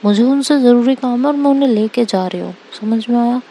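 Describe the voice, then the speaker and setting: A woman's voice: fairly high pitch, a little fast, warm tone, slightly rough. A woman voicing a playful, bossy young woman friend who teases and scolds in a storybook reading. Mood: teasing. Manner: teasing, scolding.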